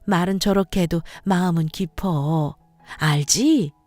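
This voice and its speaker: A woman voicing a calm, placating older mother-in-law who gently smooths things over. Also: fairly low pitch, unhurried, dry recording, faint music behind, lightly acted. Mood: soothing.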